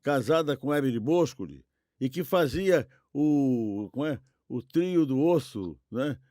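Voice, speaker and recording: An older man with a medium-pitched voice, recorded dry. He chats casually and reminisces effusively as a co-host. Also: animated, measured pace, warm tone, dry recording. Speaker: podcast co-host.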